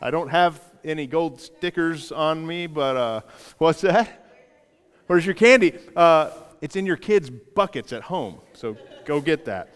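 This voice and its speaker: A man preaching a sermon, leading the congregation in repeating verses, with playful asides and a lively, varied delivery. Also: high-pitched, smooth. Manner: playful asides and light humor. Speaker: pastor. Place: church sanctuary. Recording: long hall reverb from a church.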